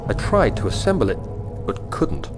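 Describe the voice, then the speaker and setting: An earnest young gentleman explorer in a horror video game, troubled and formal. The voice sits low but swings widely in pitch, with literary, introspective phrasing. Music plays behind it. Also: sing-song, moderate pace. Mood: reflective. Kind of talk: dramatic video game voice acting, journal narration.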